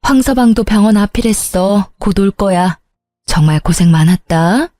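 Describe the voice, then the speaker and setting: A woman voicing a caring middle-aged mother who talks softly and soothingly to her daughter. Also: medium pitch, lively intonation, normal speed, dry recording, studio quality, close to an everyday voice. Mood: tender. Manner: soft and soothing.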